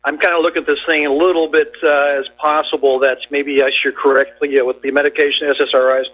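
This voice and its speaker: A man calling into a radio show, reasoning aloud in a measured way. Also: on the high side, level tone, a bit bright, highs cut off. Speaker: caller. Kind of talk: phoned-in radio call.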